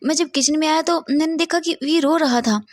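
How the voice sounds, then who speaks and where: A woman's voice: high-pitched, brisk, dry recording, pitched above the performer's own voice, lightly acted. A woman voicing a worried young man who keeps asking why his partner is crying. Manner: urgent, repeating questions. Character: worried young husband asking what happened.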